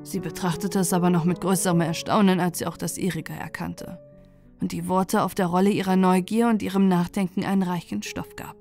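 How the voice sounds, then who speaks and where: Gentle woman reading a bedtime fairy tale. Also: fairly low pitch, level tone. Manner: soft, gentle, unhurried reading. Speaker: audiobook narrator. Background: faint music.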